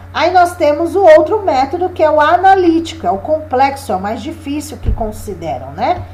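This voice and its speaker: A woman's voice: sits high, darkish tone. A woman teacher, giving an exam review lesson and often checking in with her listeners. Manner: explanatory, checks in with "né?" and "tá?".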